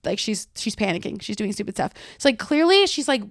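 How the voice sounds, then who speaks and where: A woman's voice: medium pitch, big pitch swings, fairly quick, dry recording, clean studio sound. A woman hosting a casual solo podcast, chatty and loose, talking through song lyrics line by line with lots of "like" and "kinda". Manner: full of filler words like "like" and "kinda". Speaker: podcast host.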